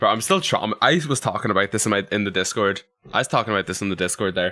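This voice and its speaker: A man with an Irish accent speaks at a fairly low pitch. His tone is bright and sharp. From Ireland. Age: 20s. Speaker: gaming streamer. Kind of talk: casual chat. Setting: live stream. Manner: animated.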